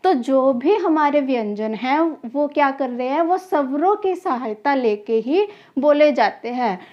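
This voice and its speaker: A woman with a high voice teaches a grammar lesson at an unhurried, deliberate pace. She poses a question, then answers it herself, repeating each key term for her students. The recording is slightly dull and lo-fi. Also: expressive. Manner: addresses students as children. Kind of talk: classroom lesson for exam students.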